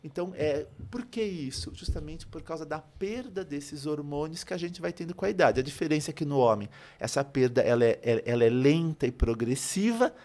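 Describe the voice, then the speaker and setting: Brazilian man explaining, slightly high voice. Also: animated, brisk, few pauses, a little mellow. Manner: didactic, repeats phrases and asks rhetorical questions. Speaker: guest pharmacist on a health podcast. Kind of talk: animated explanatory podcast talk.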